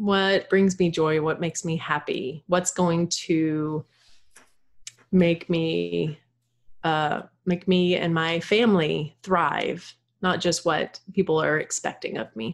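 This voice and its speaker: A woman with a Texan accent, her pitch fairly low with ordinary variation, at a very slow pace. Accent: Texan American. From North Texas. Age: 40s. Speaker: school counselor and life coach. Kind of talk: casual interview chat.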